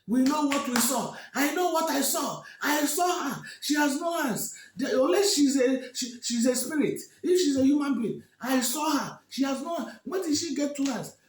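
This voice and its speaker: A man doing two shrill jealous women. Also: expressive, moderate pace, hardly any pauses, reverberant, far from the mic, a little hiss or hum. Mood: protesting. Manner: shrill, shouting, indignant.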